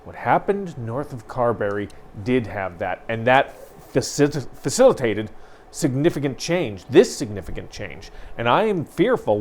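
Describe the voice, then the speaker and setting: A man, co-hosting a local news talk show, speaking earnestly and with emphasis. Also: medium pitch. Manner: earnest, emphatic, builds to frustration. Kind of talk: conversational news commentary.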